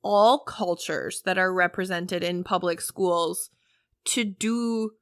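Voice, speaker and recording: A woman's voice: on the low side, slow, no echo. A woman hosting a podcast, speaking in an emphatic, enthusiastic way. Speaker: podcast host. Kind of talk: casual podcast discussion.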